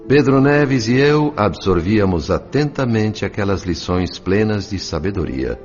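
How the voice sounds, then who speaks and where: A Brazilian actor playing a humble, compassionate spirit who narrates a dramatised audiobook in an earnest, literary and expressive manner. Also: male voice, sits low. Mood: attentive, calm. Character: André, compassionate male spirit narrator, humble, devoted helper. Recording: dull lo-fi sound with music. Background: background music.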